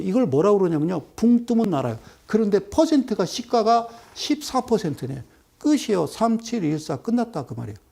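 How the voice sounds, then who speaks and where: A middle-aged man lecturing viewers over a stock chart, animated and full of rhetorical questions and sudden exclamations. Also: high-pitched, vocal fry.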